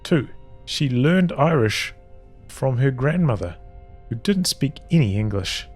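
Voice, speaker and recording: Slow-paced man reading a story over music. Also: mid-range voice, big pitch swings, breathy edge. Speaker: streamer reading a visual novel aloud. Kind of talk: read-aloud storytelling of journal entries.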